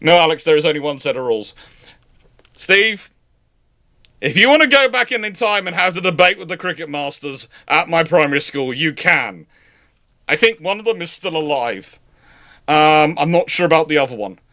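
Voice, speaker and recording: A man's voice: on the high side, animated, moderate pace, sharp tone. A British man in his forties hosting a casual live question-and-answer chat, rambling and emphatic in his opinions. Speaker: live stream host.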